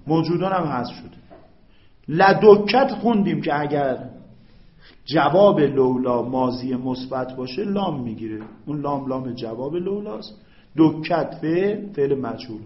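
A man's voice: fairly high pitch, animated. Man teaching grammar in an echoey classroom. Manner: explains slowly, quizzes students with questions. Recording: echoey room, dull lo-fi sound.

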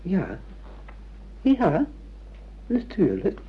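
A man's voice: high-pitched, huge pitch swings, very slow, slightly rough, exaggerated voice. An actor in a radio play playing a middle-aged father with memory loss, hesitant, questioning and earnest. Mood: puzzled, earnest. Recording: dull lo-fi radio play recording.

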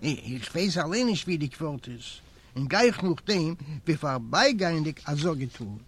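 A man reading a literary story aloud in a measured, quiet storytelling manner, recorded at a library. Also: on the high side, big pitch swings, husky. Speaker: audiobook reader.

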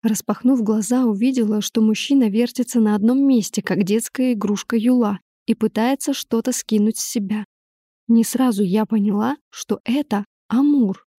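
A woman narrating a first-person audiobook in an even, measured way. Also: a little high, no echo, studio quality.

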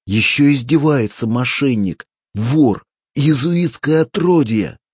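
A man voicing a greedy, fat male street photographer who screams in a shrill, frantic way in an audiobook. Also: a little slow, darkish tone, slightly rough, no echo, clean studio sound. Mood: furious.

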